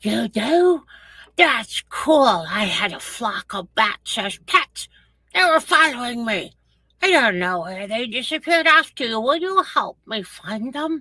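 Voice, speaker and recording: Using a put-on character voice, a woman talks at a high pitch and a fairly slow pace. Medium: read story. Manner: earnest, wistful.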